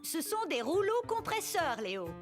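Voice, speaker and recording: A friendly female daycare teacher from a cartoon, high-voiced and very melodic. She talks encouragingly to small children, with faint music behind. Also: very animated, moderate pace. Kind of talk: French children's cartoon dubbing.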